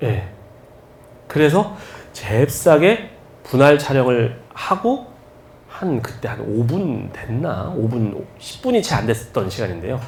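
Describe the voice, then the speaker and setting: At a very slow pace with long, frequent pauses, a man of medium pitch shows very wide pitch swings and big swings in loudness, with audible room echo and noticeable background noise. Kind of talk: lecture to a church audience.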